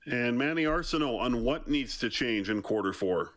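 A man working as a football colour commentator, giving conversational radio analysis in a deep voice. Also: animated, moderate pace, noisy background.

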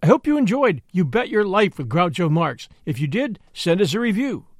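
Male podcast host, high-pitched and very lively intonation, close dry recording. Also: moderate pace, no room sound. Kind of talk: podcast sign-off to listeners.

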